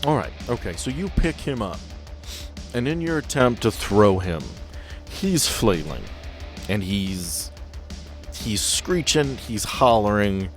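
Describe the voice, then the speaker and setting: A man's voice: lowish voice, sing-song, takes it slowly, faint music behind. A man game-mastering, moving between improvised scene narration and casual chat.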